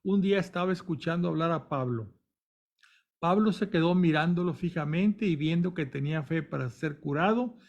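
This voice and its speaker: A man's voice: fairly high pitch, a little mellow. A man reading scripture aloud and stopping now and then to explain it in plain words, with small restarts. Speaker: Bible reader and commentator. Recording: dull lo-fi recording.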